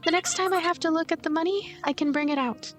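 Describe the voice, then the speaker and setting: Casting: woman playing meek, easily led young girl for a story game, halting delivery, very high voice. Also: soft background music. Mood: hesitant, guilty. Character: timid, dim, easily manipulated young girl, Clara.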